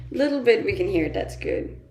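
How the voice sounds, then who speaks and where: A Danish woman livestreams in the morning, casually reading chat and often laughing to herself, her nose blocked from blowing it a lot. Her medium-pitched voice is creaky and darkish, the sound is roomy, and faint music plays behind her.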